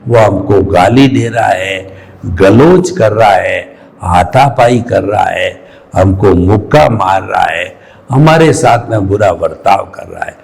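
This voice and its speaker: A man's voice: low voice, animated, takes it slowly, gravelly, darkish tone, poor audio. A man giving a spiritual discourse as a teacher, explaining with emphasis and everyday analogies.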